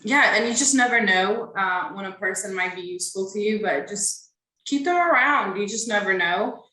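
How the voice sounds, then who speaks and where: Young woman, from Ethiopia, podcast guest, earnest and chatty, bright voice, roomy echo. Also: medium pitch, animated, moderate pace. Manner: earnest, with frequent fillers like "um" and "like". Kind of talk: casual interview answers.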